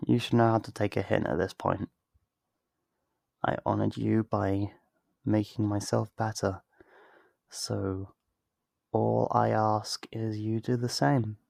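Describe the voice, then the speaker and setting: A man acting in an ASMR roleplay as a tender, wistful best friend, speaking softly and earnestly in an intimate way, close to the mic. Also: on the low side, level tone, creaky, dry recording, heavily acted. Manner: slow, intimate, earnest, with sighs and pauses. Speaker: ASMR voice actor. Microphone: close studio mic, dry.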